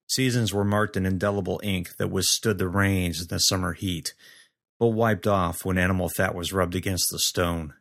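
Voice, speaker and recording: A man giving a steady scripted narration of a fantasy story. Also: sits low, creaky. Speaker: audiobook narrator.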